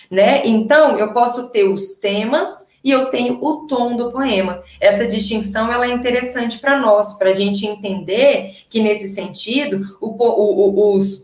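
A Brazilian woman with a Brazilian Portuguese accent, teaching literature in an enthusiastic, chatty way and tossing rhetorical questions at her class. Her voice sits at an ordinary middle pitch. The room is echoey, with the sound bouncing around her. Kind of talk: casual online class lecture.

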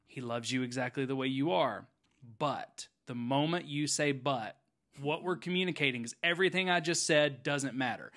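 A man, a podcast host and former student pastor, chatting casually and telling animated stories, often tagging "right?" or "okay?" onto his points. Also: mid-range voice, moderate pace. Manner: animated storyteller, frequent "right?" and "okay?" tags. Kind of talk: casual chat.

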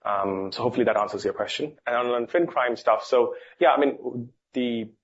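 A man's voice: medium pitch, moderate pace, slight background noise. A man speaking as a company executive on an earnings call, informal in phrasing as he answers questions. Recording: dull, band-limited call audio.

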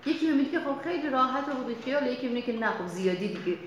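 A woman psychologist leading a workshop, explaining in a lively, chatty way to the audience. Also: high-pitched, slight background noise. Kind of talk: workshop lecture. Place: workshop room. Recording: very echoey room.

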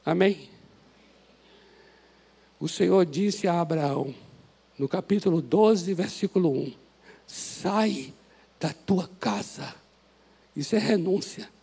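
A male pastor with a Brazilian Portuguese accent, preaching an impassioned sermon that swings from loud exhortation to soft, prayerful pleading in a church. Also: high-pitched, takes it slowly, vocal fry, long pauses, husky. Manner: impassioned, rises to shouts then drops to soft prayer. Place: church sanctuary.

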